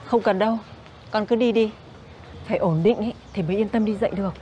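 A woman's voice: mid-range voice, fairly quick, dark tone, dull audio, lightly acted. An actress with a Northern Vietnamese accent playing an eager middle-aged mother in a TV drama. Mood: reassuring. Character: eager middle-aged mother nudging her grown son. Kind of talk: screen drama dialogue. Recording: clear ambient noise behind.

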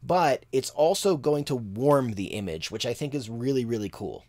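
A man's voice: medium pitch, normal speed. A man in his thirties giving a casual tutorial on mixing from a home studio, thinking aloud as he works. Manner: relaxed, thinking aloud with fillers. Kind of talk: casual screen-share tutorial.

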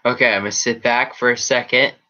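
A man's voice: medium pitch, fairly even intonation, brisk, pushed and bright, highs cut off. A teenage boy wearing a headset, casually rambling through his live chat in a small room with a green backdrop. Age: teens. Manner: rambling, chatty, reacting to comments. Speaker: livestream host reading chat.

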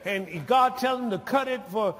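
An older man preaching a sermon as pastor, teaching slowly and deliberately, then building to shouted lines and calls for amen. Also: high-pitched. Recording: long hall reverb of a church.

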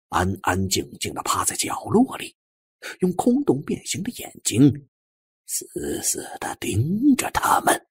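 Very husky, animated male storyteller. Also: medium pitch, no room sound, studio quality. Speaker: audiobook narrator. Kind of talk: dramatic storytelling of a suspense novel.

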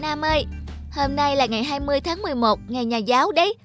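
A woman's voice: sits high, lively intonation, fast talker, over music. A woman voicing an earnest, persuasive little schoolgirl in a children's cartoon, with a coaxing manner. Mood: eager, coaxing.

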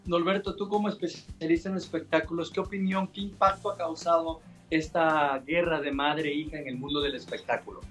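A man's voice: a little high, fairly even intonation, fairly quick, a bit bright, faint music behind. A man hosting a podcast interview through a headset, asking short probing questions. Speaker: podcast host. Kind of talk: interview host.

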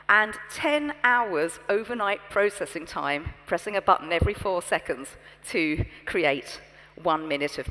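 A young British woman giving a scripted keynote on a large conference stage, poised and expressive, through a headset mic. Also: lowish voice. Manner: poised, expressive, storytelling delivery. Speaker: keynote speaker. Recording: long reverb from a large hall.

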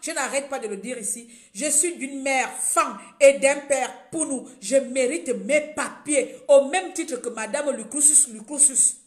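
A woman from Gabon speaks straight into a phone held at arm's length, her high voice bouncing around a small, echoey room. She rants with rising indignation, repeating words and pressing her points louder and louder. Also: a little slow, hardly any pauses. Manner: indignant, repeats herself, grows louder and emphatic. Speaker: vlogger. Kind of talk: impassioned direct-to-camera rant. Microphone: phone camera at arm's length.

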